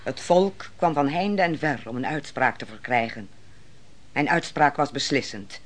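A commanding female judge in a Dutch radio drama. She is composed and probing, speaking formally and deliberately, with very wide swings of intonation. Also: rumbling low, expressive, exaggerated voice. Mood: stately. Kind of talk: Dutch radio play acting.

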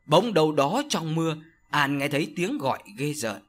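A man narrating a horror audio story in an expressive storytelling manner. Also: a little high, normal speed.

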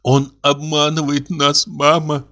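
A man's voice: mid-range voice, expressive, moderate pace, pitched above the performer's own voice, close to an everyday voice. A man reading aloud and voicing a devoted young wife who speaks earnestly and pleadingly. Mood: distraught. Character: anxious devoted young wife, turning tearful.

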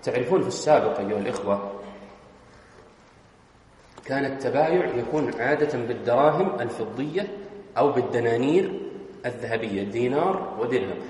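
A man's voice: medium pitch, animated, fairly quick, long pauses, darkish tone, slight background noise. A man teaching Islamic law in a classroom lesson, explaining step by step and quizzing his students with questions. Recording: very echoey hall.

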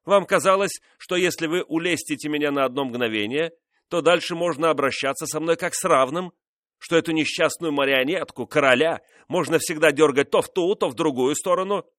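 A man's voice: a little high, a little fast, a bit bright, no echo, studio quality, voice pushed up, lightly acted. A man playing a stern, furious king. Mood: indignant. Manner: commanding, indignant. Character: stern, proud, angry king, middle-aged man.

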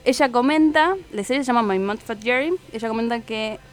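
A woman's voice: on the high side, brisk, soft background music. A woman hosting a radio show, chatting casually with many fillers and self-corrections. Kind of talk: casual radio chat about a TV series.

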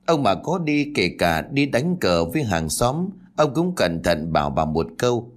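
A man narrating a scripted story in an expressive, dramatic way. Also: lowish voice, measured pace. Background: faint background music.

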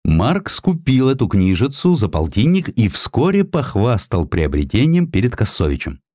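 A man narrating a historical literary essay in an expressive, theatrical way. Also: mid-range voice, normal speed, no echo, studio quality. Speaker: audiobook narrator.

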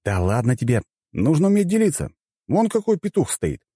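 A man's voice: fairly high pitch, huge pitch swings, fairly quick, mellow, slightly rough, no echo, studio quality, voice pushed up, heavily acted. A man voicing a cocky, teasing young nobleman. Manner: casual, teasing, amused.

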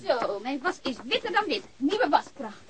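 An actress playing a cheerful, breezy, forward housemate in a naturalistic radio drama. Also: female voice, high voice, big pitch swings, moderate pace, background noise.

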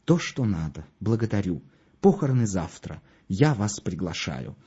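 A man voicing a reserved widow in her forties, speaking quietly in short phrases. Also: deep voice, sing-song, moderate pace, slightly rough, muffled recording, exaggerated voice.

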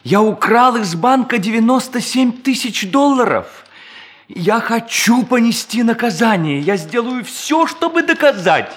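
An actor playing a desperate, ageing male embezzler in a radio play, halting and stammering as he pleads. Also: very high voice, sing-song, fairly bright tone, slightly rough, exaggerated voice. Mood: frantic pleading. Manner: halting, stammering, repeats himself imploringly. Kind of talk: Russian radio play acting.

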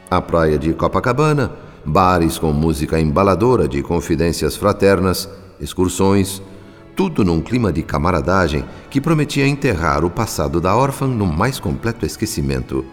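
A man's voice: low voice, very animated, normal speed, long reverb tail, soft background music. A male narrator reading a radio drama in a dramatic, lyrical manner.

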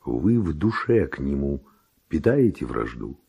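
Very deep gravelly passionate nobleman seducer. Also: very animated, a little slow, dark tone, lo-fi sound, full character voice. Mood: bold confession. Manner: ardent, declamatory, dramatic. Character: passionate Spanish nobleman seducer wooing a widow. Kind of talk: theatrical verse radio drama acting.

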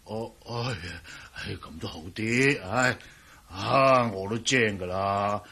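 An actor in a Cantonese radio drama playing a superstitious, fussy old butler who grumbles in a raspy voice and a Cantonese accent. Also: male voice, lowish voice, takes it slowly, pushed and bright, heavily acted. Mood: grumbling.

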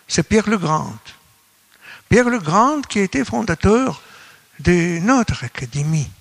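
A man from Russia with a Russian accent gives a conference lecture in non-native French, halting as he searches for words. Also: high voice, sing-song, creaky. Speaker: academic speaker at a colloquium.

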